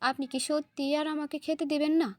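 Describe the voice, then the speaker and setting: Storybook role: sulky, childlike young wife, read by a woman, high-pitched, dry recording. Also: brisk, dry recording, lightly acted. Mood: pouting. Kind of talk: storybook reading.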